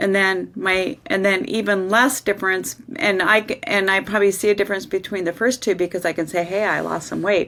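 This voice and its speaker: A woman speaks at a medium pitch with a bright, sharp tone. She talks at a fairly quick pace with hardly any pauses. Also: fairly even intonation. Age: 60s. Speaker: coaching client. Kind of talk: testimony.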